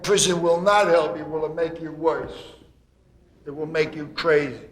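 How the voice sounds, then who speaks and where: A man's voice: on the high side, steady tone, moderate pace. A man who is a prison inmate, speaking bluntly and emotionally in an interview. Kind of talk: documentary interview. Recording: echoey hall with faint noise.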